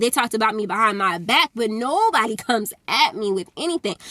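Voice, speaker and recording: A woman talks at a fairly quick pace in an animated tone. Her pitch swings very widely. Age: 20s. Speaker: YouTuber. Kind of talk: storytime vlog.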